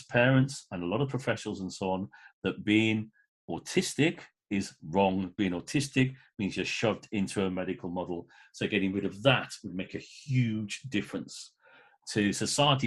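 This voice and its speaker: A man in his fifties talking as a podcast guest in an enthusiastic, emphatic, rambling conversational way. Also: mid-range voice. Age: 50s. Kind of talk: casual conversational interview.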